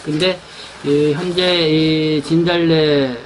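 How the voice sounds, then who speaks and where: Halting Korean man presenting a newspaper. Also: fairly high pitch, steady tone, slight background noise, poor audio. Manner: halting, many fillers and restarts. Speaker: newspaper editor presenting the issue. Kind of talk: unscripted newspaper rundown.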